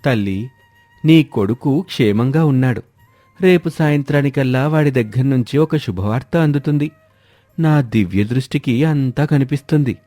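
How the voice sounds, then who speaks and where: A man's voice: mid-range voice, moderate pace, dark tone, no room sound, lightly acted. A man playing a scheming idler husband who poses as a holy swami in a moral story, talking in a grandiose, persuasive, preachy way. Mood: pompous, serene. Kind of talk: acted Telugu moral story dialogue. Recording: music behind a dry voice.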